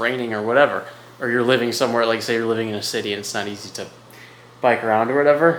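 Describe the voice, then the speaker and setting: There's audible room echo and noticeable background noise as a man talks with ordinary pitch variation. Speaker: vlogger and triathlete. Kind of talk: casual vlog monologue. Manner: fast; animated.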